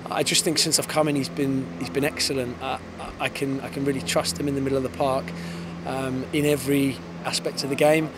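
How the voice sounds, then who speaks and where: A man in his thirties, an English football head coach, giving a post-match interview outdoors on a floodlit pitch at night, fast and thoughtful with many restarts. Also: little pitch movement. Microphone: handheld interviewer mic. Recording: outdoor with clear background noise.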